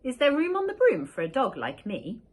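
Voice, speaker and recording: Eager friendly storybook dog, raised pitch, husky, read by a woman. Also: huge pitch swings, moderate pace.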